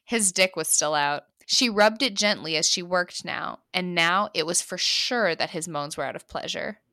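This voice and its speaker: A woman's voice: lowish voice, moderate pace, bright, forceful tone, no room sound, studio quality. A woman hosting a comedy podcast, reading her own racy story aloud and breaking into giggles.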